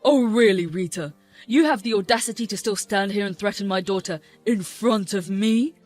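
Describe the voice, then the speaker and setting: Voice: medium pitch, normal speed, natural voice. A voice actor playing an angry, protective father and restaurant owner who scolds indignantly over faint music.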